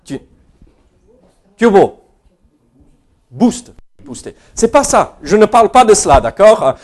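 High-voiced American man preaching. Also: big pitch swings, a little mellow. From United States. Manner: halting, many fillers and restarts, laughs at himself. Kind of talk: sermon.

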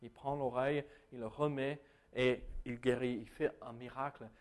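A man's voice: mid-range voice, little pitch movement, normal speed. A man with an American accent, preaching a conversational sermon with many hesitations and self-corrections. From United States.

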